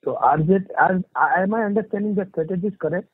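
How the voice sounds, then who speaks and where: A man's voice: high-pitched, quick pace, breathy edge, no room sound. Indian man on a dry, tinny phone line. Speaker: analyst asking questions. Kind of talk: earnings call question. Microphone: phone conference call.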